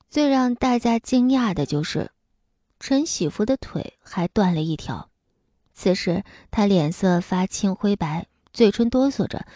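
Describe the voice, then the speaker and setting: A woman narrating a novel as an audiobook in a steady storytelling manner. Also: medium pitch, dry recording.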